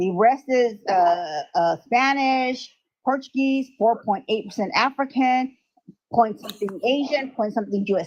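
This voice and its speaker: A woman with an American accent speaks at a fairly slow pace, her intonation lively. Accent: Californian English, Mexican American. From California. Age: 60s. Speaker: livestream panel participant. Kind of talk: casual debate. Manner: halting.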